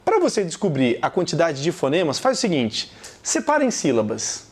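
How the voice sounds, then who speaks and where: Man, Brazilian Portuguese accent, teacher, video lesson, very expressive pitch, addresses the viewer. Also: breathy edge. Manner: animated, talks straight to the viewer, repeats example words slowly.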